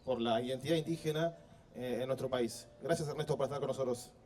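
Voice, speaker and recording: A man's voice: mid-range voice, fast, a little mellow. An Argentine man moderating a book fair, introducing the next speaker in a friendly, explanatory way with frequent fillers. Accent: Argentine Spanish. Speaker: event host and moderator. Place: outdoor plaza at a book fair. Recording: distant outdoor recording with faint background noise.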